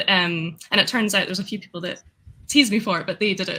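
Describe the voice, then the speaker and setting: With a Scottish accent, a woman talks at a fairly quick pace. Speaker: Lego builder and content creator. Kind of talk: casual interview chat.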